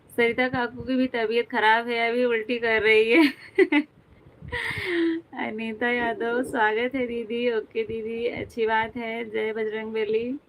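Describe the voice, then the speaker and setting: A young woman hosts a live stream from her phone, reading comments aloud and laughing easily. Her voice sits a little high and stays fairly level, and she talks unhurriedly. A faint room hum lies under her voice. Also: rough recording. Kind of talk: casual live chat with viewers.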